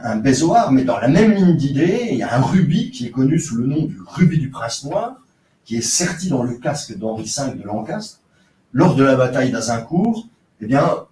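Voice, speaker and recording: A man's voice: mid-range voice, darkish tone. A man giving an academic seminar lecture as an archaeologist, explaining with frequent hesitations and fillers. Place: lecture room. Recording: roomy, distant lecture recording with faint noise.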